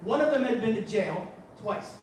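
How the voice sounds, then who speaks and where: A man giving a live talk as a photographer, an animated, chatty storyteller who often backtracks and restarts. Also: high-pitched, normal speed, a little hiss or hum. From Canada. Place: large room at a photography guild talk. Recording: very echoey room, far from mic, faint ambience.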